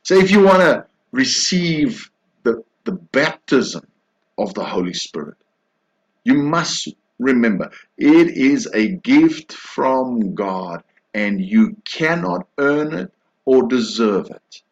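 A man preaching with a very lively, rising and falling voice. He takes his time, drawing out his words unhurriedly. His delivery is emphatic, moving from loud insistence down to soft, hushed passages. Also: medium pitch, takes it slowly, rough recording. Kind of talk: sermon.

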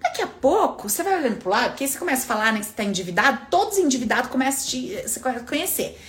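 Talking rapid-fire in a high voice, this live stream host spins casual, motivational stories and performs the voices of the people she quotes. She's chatty and informal, addressing her audience as "menina" and "minha filha".

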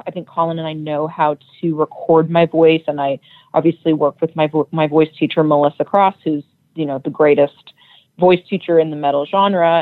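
A woman's voice: sits low, no echo. A woman who sings in a metal band, speaking as an interview guest, chatty and often restarting her sentences. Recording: tinny phone-like line.

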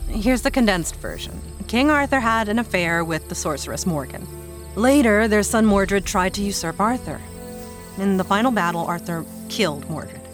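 A woman's voice: on the low side, natural voice. A woman playing a feisty, skeptical journalist in an adventure audio drama, emphatic and exasperated. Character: skeptical, feisty female journalist reluctantly joining treasure hunters.

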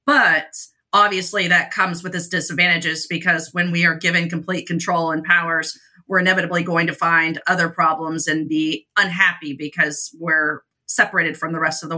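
Give me a talkative woman author as podcast guest, with a very bright, tense voice. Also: lowish voice. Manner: chatty and self-deprecating. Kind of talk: casual podcast chat.

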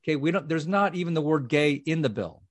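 A man's voice: fairly high pitch, animated, fast, no echo. A man co-hosting a casual political talk show, rambling with many restarts and fillers. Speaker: co-host.

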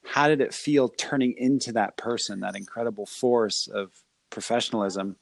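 A man's voice: mid-range voice, normal speed, gravelly, no room sound. A man hosting an interview, asking long, enthusiastic questions that ramble with restarts. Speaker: podcast host. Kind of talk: interview chat.

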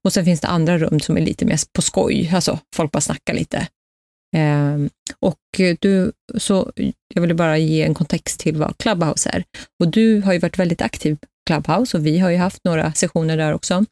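A woman hosting a casual chat, speaking in a relaxed way with lots of filler words. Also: low voice, no echo. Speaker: podcast host.

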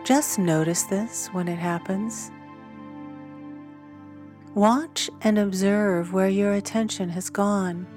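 A woman leading a guided body scan meditation in a gentle, soothing manner. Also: mid-range voice.

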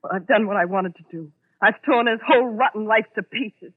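An actress playing a cold, bitter young secretary bent on revenge, with an intense, melodramatic manner in a 1940s radio drama. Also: female voice, medium pitch, fairly quick, slightly rough, dry recording, lightly acted. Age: young adult. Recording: dry, tinny 1940s radio recording.

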